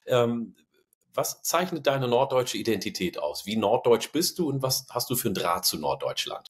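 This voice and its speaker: A man in his forties hosts an interview podcast, putting casual questions to his guest. He speaks at an unhurried pace and often stops on fillers while he searches for words. He is recorded on a studio condenser microphone in a home room. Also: medium pitch, sing-song. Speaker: podcast host. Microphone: studio condenser mic with headphones.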